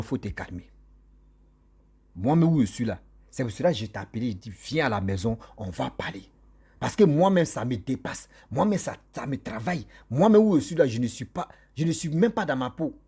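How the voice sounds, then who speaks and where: A man's voice: medium pitch, warm tone, slightly rough. A man telling a ghost story casually, laughing often and acting out the people in it.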